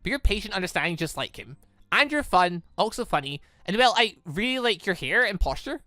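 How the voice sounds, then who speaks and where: A gamer reading as an excitable, flustered young woman. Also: mid-range voice, a little fast, no room sound, clean studio sound. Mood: gushing. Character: excitable, eager young woman in a visual novel. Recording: music behind the voice.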